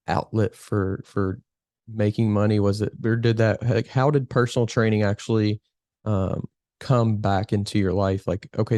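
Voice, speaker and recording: A man hosts a casual interview in a fairly low, mellow voice. The sound is very dry, and he tends to ramble and reword what he asks. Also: no echo. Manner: rambling, rephrases his questions midway. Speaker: podcast host, interviewer.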